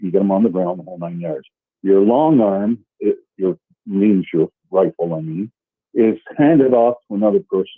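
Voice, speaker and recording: At a moderate pace, a man speaks in a fairly low pitch. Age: 60s. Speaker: caller, military veteran. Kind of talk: call-in radio chat. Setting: phone call. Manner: halting, many fillers. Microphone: garbled phone line, sounds like in a jar.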